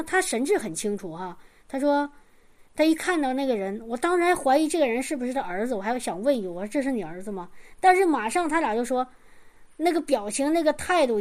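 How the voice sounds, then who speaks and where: A woman's voice: a little high, darkish tone. Earnest middle-aged woman giving testimony. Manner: earnest, halting storytelling with many restarts. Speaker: church member sharing a testimony. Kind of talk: testimony told to a congregation.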